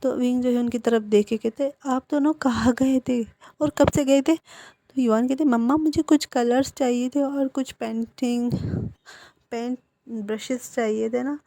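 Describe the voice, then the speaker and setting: A woman's voice: a little high, fairly even intonation, measured pace, mellow, dry recording. A woman with a Hindi accent casually retelling a fan fiction story, speaking every character's lines in her own voice. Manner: retells dialogue for every character without changing voice.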